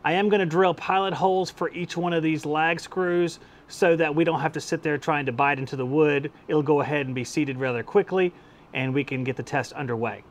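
A man in his thirties with a fairly high, steady voice talks a little fast into a clip-on lapel mic as he reviews drills in his indoor home workshop, surrounded by shelves of power tools. This tool-testing YouTube host is easygoing and chatty and laughs at his own results.

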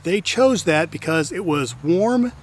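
This middle-aged man runs a beekeeping channel as a hobbyist, talking chattily to a tripod camera set at a distance in his wooded backyard apiary. He speaks a little slowly in a slightly high, expressive voice, full of exclamations and restarts, while bees and insects buzz faintly outside.

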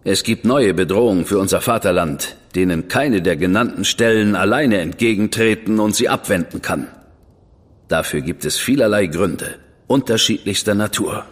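A man's voice: fairly low pitch, big-room sound, natural voice. A man playing a cold, arrogant Victorian official. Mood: cool. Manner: measured, superior, quietly threatening. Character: cool, arrogant high official, man, middle-aged. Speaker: government official recruiting an investigator. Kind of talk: radio play acting.

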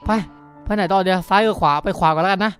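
A man giving excited, improvised gameplay commentary as host, exclaiming and repeating urgent calls, with music behind him. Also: high voice, racing. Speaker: gaming video host.

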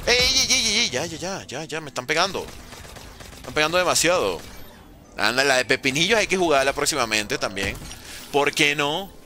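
A man with a Venezuelan accent and a very bright, sharp voice. His pitch is a bit high and jumps all over as he streams a game live. He chats with viewers and reacts quickly. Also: slight background noise. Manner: lively, banters with chat, talks fast in bursts. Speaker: gaming streamer. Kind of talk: live gameplay commentary reading chat.

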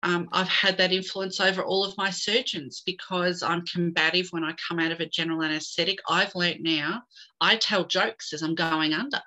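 Middle-aged woman on a video call, bright forceful tone, slightly low voice, animated storyteller. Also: moderate pace, rough recording. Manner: animated storyteller, tells jokes. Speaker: guest. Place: home room with bookshelves.

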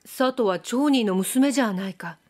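A woman voicing a resolute, earnest young samurai in an audiobook, speaking firmly and plainly in a slightly lowered voice. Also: normal speed, darkish tone, lightly acted. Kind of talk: audiobook reading.

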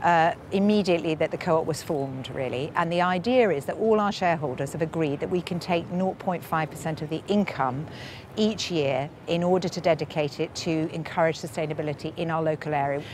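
A woman's voice: low-pitched, a little fast, a little mellow. A woman in her fifties, interviewed outdoors at a wind farm, speaking earnestly about a local charity. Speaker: charity organiser. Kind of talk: documentary interview. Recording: music bed underneath.

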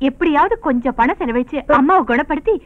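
A woman's voice: sits high, expressive. An actress playing a scheming village wife who coaxes her husband in a film comedy. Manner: scheming, brisk and coaxing. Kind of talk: 1990s film comedy acting. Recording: dull lo-fi film soundtrack.

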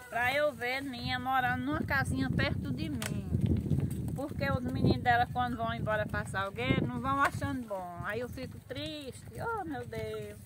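An older woman with a Northeastern Brazilian accent from Pernambuco, chatting outdoors on a farm and cheerfully listing greetings. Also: fairly high pitch. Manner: cheerful, lists greetings in a steady singsong run. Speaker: interviewee. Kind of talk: casual chat. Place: outdoors on a rural farmyard. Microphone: handheld camera up close. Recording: loud outdoor noise.

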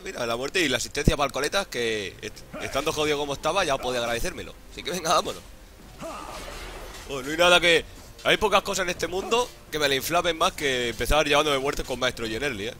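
Crude, bright-voiced Spanish gamer guy, hungover. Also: fairly high pitch, lively intonation, brisk, slight background noise. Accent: Spanish (Spain). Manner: crude, jokey, profane slang. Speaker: gaming YouTuber. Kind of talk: casual gameplay commentary.

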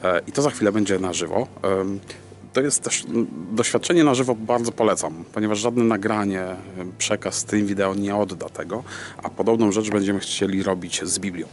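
A man in his thirties hosting a casual vlog to camera, haltingly searching for words. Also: lowish voice, slight background noise. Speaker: vlog host. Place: dim cinema auditorium. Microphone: camera at arm's length.

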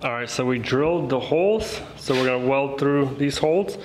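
A man's voice: medium pitch, normal speed, over music. A man in his thirties chatting casually to viewers as a vlog host, with informal, colloquial phrasing, recorded in a garage. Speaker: car rebuild vlog host. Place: garage workshop, indoors. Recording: roomy echo, faint background noise.

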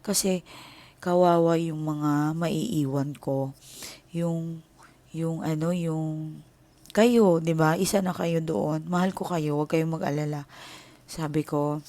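A woman who hosts a tarot channel shares a personal story with viewers, whom she calls her loved ones. Her voice is deep and slow with long pauses, casual and emotional, sometimes hushed and sometimes animated, with no echo.

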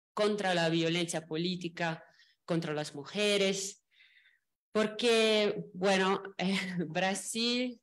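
Slow-speaking Brazilian woman mixing Spanish and Portuguese. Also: on the low side. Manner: Spanish mixed with Portuguese words, halting. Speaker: panel speaker, commentator. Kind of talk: semi-spontaneous panel remarks. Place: auditorium panel table. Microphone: gooseneck table microphone.

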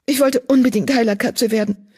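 Woman doing a high, pleading young she-cat, guilt-ridden healer, husky voice, storybook. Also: steady tone, brisk, a little mellow. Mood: distressed, pleading. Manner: pleading, distressed, voice raised high. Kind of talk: audiobook character voice.

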